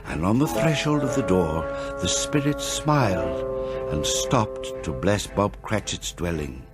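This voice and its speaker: A man's voice: deep voice, lively intonation, takes it slowly, loud music behind the voice. A man narrating a radio drama as a theatrical storyteller, relishing each descriptive phrase.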